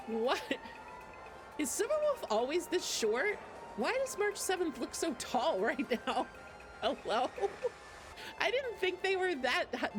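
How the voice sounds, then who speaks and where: A woman streaming a game live, chatting casually in a rambling, giggly way on a close mic. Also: sits high. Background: game music.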